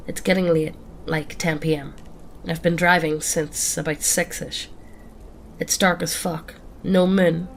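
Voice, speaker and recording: A woman's voice: deep voice, fairly even intonation, unhurried, vocal fry, a little hiss or hum. A woman reading scary stories aloud in a casual, swearing storytelling manner. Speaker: horror story narrator. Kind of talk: scripted horror story narration.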